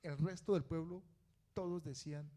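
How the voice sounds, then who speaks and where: A man's voice: a little high, fairly even intonation, normal speed, warm tone. A male pastor, preaching a sermon with rising fervor and rhetorical questions.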